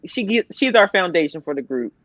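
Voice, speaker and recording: A woman's voice: on the low side, very animated, fairly quick, fairly bright tone, a little hiss or hum. A woman chatting casually as a panelist in a group, on slightly muffled live-stream audio. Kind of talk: casual chat.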